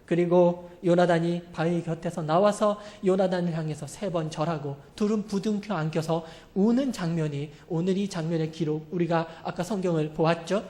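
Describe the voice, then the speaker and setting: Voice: mid-range voice, moderate pace, hardly any pauses. A pastor preaching a sermon who retells a story vividly, asks the congregation questions, and acts out the characters' lines. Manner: animated, acts out quoted speech.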